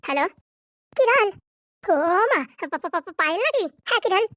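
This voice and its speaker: A voice artist voicing a broke, lovesick young drunk who stammers when excited. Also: normal speed, no echo, exaggerated voice. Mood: stunned. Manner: stammering, excitable, sped-up high cartoon voice.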